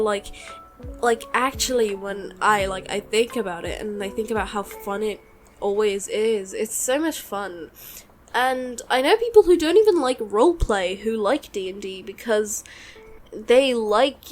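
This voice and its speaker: A sick woman talks in a casual, enthusiastic ramble at an ordinary pitch. She is hesitant and informal, often circling back mid-thought. Faint music plays behind her voice. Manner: hesitant, halting, rambling delivery; informal, enthusiastic, mild swearing. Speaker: solo podcast host.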